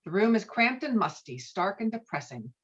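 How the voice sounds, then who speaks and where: A woman's voice: mid-range voice, very animated, normal speed. A woman reading stage directions as scripted narration, heard through muffled call audio.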